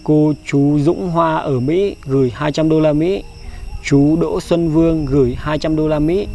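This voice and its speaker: A man hosting a vlog, briskly reading out a list of donors and coaxing and reassuring the person he is helping. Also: on the high side, fairly even intonation, creaky, warm tone. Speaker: vlog host handing out charity money. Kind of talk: reading a donor list, then casual talk. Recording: light background music.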